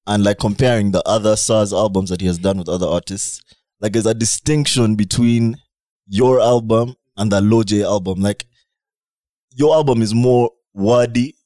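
Slangy podcast host, low dry voice. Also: male voice, normal speed, mellow, dry recording. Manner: enthusiastic slangy praise. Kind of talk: casual interview talk.

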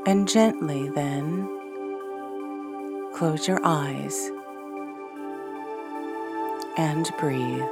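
Female meditation guide, lowish pitch, very unhurried and soothing, short phrases with long pauses, new-age music clearly underneath. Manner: gentle, soothing, soft-spoken delivery with long pauses. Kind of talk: scripted guided meditation narration.

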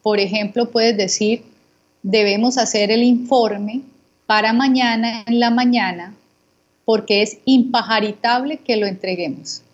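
A Colombian woman, a guest teacher, calmly contrasting words and giving examples for Spanish learners. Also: fairly high pitch, a little slow, dull audio. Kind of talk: slow didactic conversation for learners.

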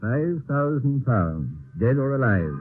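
A dry police inspector. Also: male voice, medium pitch, big pitch swings, a little slow, loud music behind the voice. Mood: stern. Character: calm police inspector, middle-aged man. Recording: tinny old film soundtrack.

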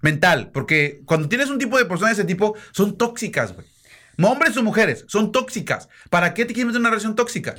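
Lively high-voiced man, insistent. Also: fairly quick. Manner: emphatic, insistent, repeats himself. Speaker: podcast co-host. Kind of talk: casual chat.

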